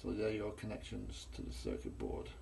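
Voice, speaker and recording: A middle-aged gas engineer, filming with the phone in his hand, explains a boiler test step by step in a small workshop. His voice is low, gravelly, and dark, very animated at a normal speed, with slight background noise.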